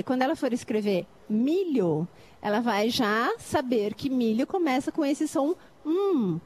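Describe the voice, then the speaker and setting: Woman, middle-aged, lecturing on a panel, high voice, very lively intonation, keeps checking understanding. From Brazil. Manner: explanatory, asks listeners if they follow. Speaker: lecturer on literacy teaching. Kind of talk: debate panel talk.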